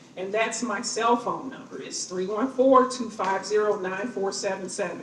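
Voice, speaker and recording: Someone with an American accent speaks at a moderate pace over noticeable background noise. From US Midwest, North St. Louis. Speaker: city official. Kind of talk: town hall answer to public.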